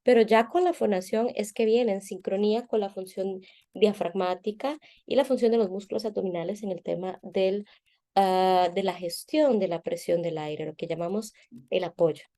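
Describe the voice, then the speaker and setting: Mellow-voiced woman voice teacher. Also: medium pitch, moderate pace. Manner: patient, teacherly, checks in with "¿verdad?". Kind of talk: explanatory interview answers. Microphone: video call.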